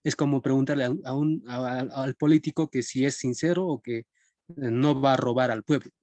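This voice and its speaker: Young male teacher, chatty and conversational, warm mellow tone, dry close recording. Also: mid-range voice, fairly even intonation, fairly quick, no echo. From Peru. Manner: conversational, checks in with students often. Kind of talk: live-streamed philosophy class.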